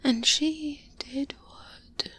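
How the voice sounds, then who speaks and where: In an exaggerated, high voice with fairly even intonation, a woman roleplays a seasoned, secretive vampire hunter mentor, wry and pragmatic, for soft-spoken ASMR. Her mood is grim and confiding; she whispers slowly and breathily with frequent pauses into a close binaural mic, with light background noise.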